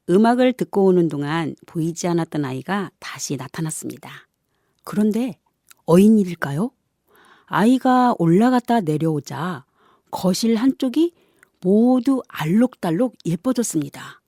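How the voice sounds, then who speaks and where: A woman radio host reading a children's storybook aloud in an expressive, dramatised way, moving easily between narration and presenting. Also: medium pitch, moderate pace, no room sound, clean studio sound.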